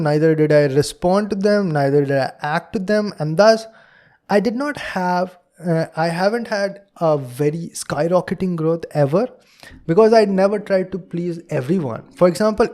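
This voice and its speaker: A man's voice: a little high, a little mellow. Earnest Indian-accented man lecturing. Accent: Indian English. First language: Hindi. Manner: earnest, lecturing, acts out quotes in a raised voice. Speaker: podcast host. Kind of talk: solo podcast monologue.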